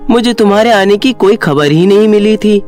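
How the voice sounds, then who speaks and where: A man voicing a calm middle-aged serpent uncle in a cartoon story, measured and explanatory. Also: high-pitched, faint music behind, natural voice. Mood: placating.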